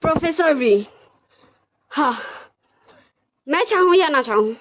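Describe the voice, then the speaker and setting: A woman's voice: high-pitched, expressive, slow pace, pitched above the performer's own voice. A woman voicing a timid young married man who stammers and pleads, tearful and scared, in a dull lo-fi recording. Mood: firm angry.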